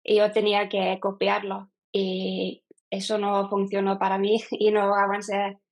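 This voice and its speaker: A Norwegian woman in her thirties, a non-native speaker, answering as an interview guest, often pausing and restarting as she talks. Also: mid-range voice, completely flat delivery. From Norway. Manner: hesitant, with frequent fillers and restarts. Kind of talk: casual interview.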